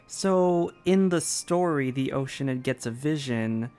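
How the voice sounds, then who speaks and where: A game streamer talks casually through what is on screen. The voice is medium in pitch, and game music plays clearly behind it. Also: animated, measured pace, mellow.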